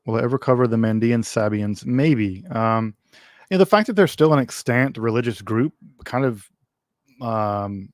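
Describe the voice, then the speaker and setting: A man's voice: medium pitch, moderate pace, no echo, clean studio sound. A man hosting a casual livestream Q&A, answering viewer questions in a rambling way with many ums, restarts and wry asides.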